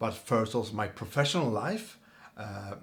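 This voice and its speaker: A man speaks at a moderate pace. He has a slight Swedish accent. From Sweden. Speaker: tabletop game master and video creator. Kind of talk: casual personal vlog. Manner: halting, with pauses and fillers.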